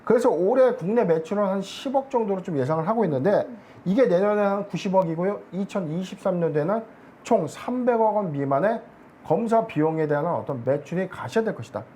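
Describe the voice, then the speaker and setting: A man speaking as an analyst guest on a stock market show, explaining in a measured way with many filler words. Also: high-pitched, animated, warm tone, a little hiss or hum.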